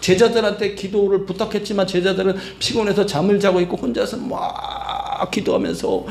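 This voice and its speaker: A man's voice: sits high, steady tone, normal speed, gravelly, darkish tone, echoey room, a little hiss or hum. A man preaching a Sunday sermon as pastor, emphatic, acting out quoted voices and filling with little interjections. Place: church sanctuary.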